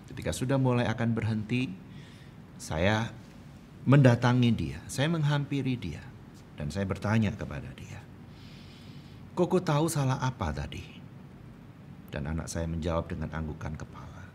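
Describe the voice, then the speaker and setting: A man's voice: fairly low pitch, a little mellow, slight background noise. A middle-aged man preaching a sermon as pastor, telling personal stories and building to fervent emphasis. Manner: storytelling, swelling to fervent emphasis.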